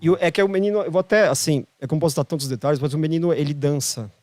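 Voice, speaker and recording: A fairly high-voiced man with a Brazilian Portuguese accent, a holistic therapist appearing as a podcast guest, tells a story at a rapid-fire clip. His tone is a little mellow, and he repeats phrases emphatically to land his points. The sound is close and dry, with no echo.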